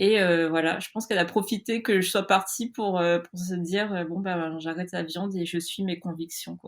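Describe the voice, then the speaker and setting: A woman at a medium pitch and moderate pace, with hardly any pauses. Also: fairly even intonation, big swings in loudness. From Réunion. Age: 20s. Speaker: master's student in history. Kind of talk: interview. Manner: hesitant, many fillers.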